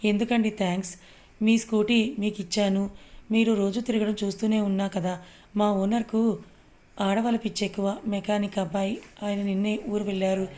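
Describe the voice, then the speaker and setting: A helpful young mechanic speaks frankly and plainly, as a woman storyteller reads him. The delivery is level and even, in a storybook telling. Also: mid-range voice, a little fast, natural voice.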